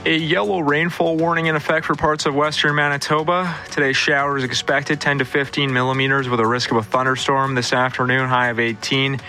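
A man reading scripted radio news and weather in a brisk, even delivery. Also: mid-range voice, soft background music. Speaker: radio newsreader.

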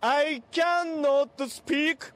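A man from Japan with a Japanese accent, a football fan speaking halting, hesitant English in a TV interview. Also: very high voice, fairly even intonation, a bit bright.

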